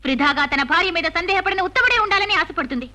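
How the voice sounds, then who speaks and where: A tearful, wronged young wife. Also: female voice, very high-pitched, animated, quick pace, background noise. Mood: defiant. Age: young adult. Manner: tearful, pleading, indignant. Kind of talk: dubbed film acting.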